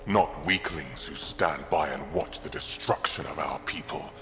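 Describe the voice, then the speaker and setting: An actor playing a bitter, menacing alien zealot leader in a video game, speaking with theatrical contempt. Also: male voice, extremely low pitch, unhurried. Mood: contemptuous. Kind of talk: video game cutscene acting. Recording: long reverb, loud game music.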